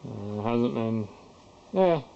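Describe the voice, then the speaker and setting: Lower-pitched man, casual vlogger, frank self pep talk, folksy and rambling; dull lo-fi camera sound. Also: expressive, slow pace, gravelly, warm tone. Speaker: car restorer making a vlog.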